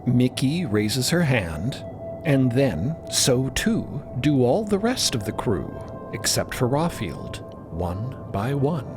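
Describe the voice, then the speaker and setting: A man narrates an audio drama with vivid scripted phrasing. His medium-pitched voice moves in a lively way over a music bed. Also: slow.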